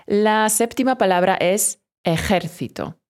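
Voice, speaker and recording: A woman giving a scripted vocabulary lesson, drilling pronunciation slowly and encouraging the learner directly. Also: medium pitch. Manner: slow, careful pronunciation drills. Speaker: Spanish teacher.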